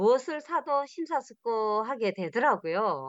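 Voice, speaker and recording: A woman's fairly high-pitched voice. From North Korea, Chongjin. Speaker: North Korean defector contributor. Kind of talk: personal storytelling.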